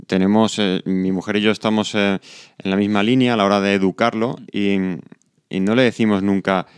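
Low smooth-voiced man, earnest. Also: little pitch movement, a little fast, dry recording, studio quality. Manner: supportive, earnest, advising. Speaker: podcast guest, father. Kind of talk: podcast conversation.

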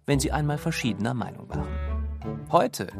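A man with a gravelly, creaky voice narrates a children's story. His pitch is medium, and music plays behind his scripted storybook telling. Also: lively intonation, moderate pace.

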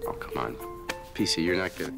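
An actor in an ad, playing a relaxed, friendly young man who is a Mac, easygoing and sympathetic. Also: low voice, brisk, gravelly. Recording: ad played with loud music.

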